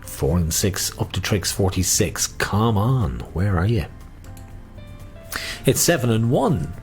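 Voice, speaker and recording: A man's voice: lowish voice, very animated, takes it slowly, darkish tone, soft background music. A middle-aged Irish man working as a bingo caller, calling numbers in a sing-song way with repeats and mixing in casual chat.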